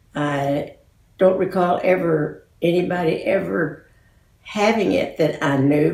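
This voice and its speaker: With a Southern US accent and vocal fry, a woman speaks with ordinary pitch variation. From US South, rural Arkansas. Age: 80s+. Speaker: interviewee grandmother. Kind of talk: interview, recollections.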